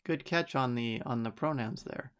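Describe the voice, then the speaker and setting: A man's voice: mid-range voice, moderate pace, fairly bright tone, clean tone. A middle-aged man hosting a live podcast, chatty and enthusiastic as he reads out listener picks and reacts to them. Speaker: podcast host.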